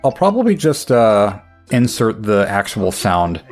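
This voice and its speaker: A man's voice: lowish voice, sing-song, measured pace, faint music behind. A young man giving rambling, wry, self-deprecating commentary while playing a game. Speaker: gameplay commentator. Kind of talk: casual let's play commentary.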